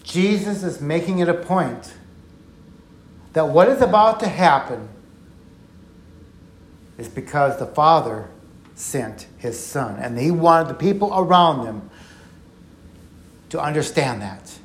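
Guy doing a podcast bible study, earnest and reflective, kinda high voice, roomy echo. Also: lively intonation. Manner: earnest, reflective storytelling with slow emphatic quotes. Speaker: Bible teacher. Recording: echoey room.

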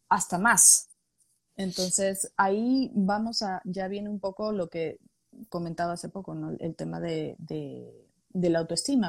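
Woman co-host, lowish voice, explains stuff with examples. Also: vocal fry, a little mellow, breathy edge. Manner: explanatory, builds points with examples. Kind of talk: casual conversation on emotions.

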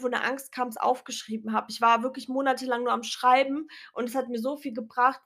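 A woman speaking loudly and earnestly to her viewers in a casual, unedited motivational vlog, her voice a little strained. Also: on the high side. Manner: earnest, encouraging, talks loudly. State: clearing her throat, voice a bit strained. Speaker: vlogger. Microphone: self-recorded, unedited.

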